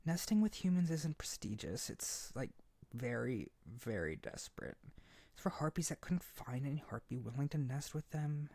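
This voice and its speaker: A man's voice: on the high side, dry recording, full character voice. A man playing a hyper, naive and desperate harpy boy in an ASMR character roleplay, earnest and pleading. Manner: pleading, excitable, stammering, earnest.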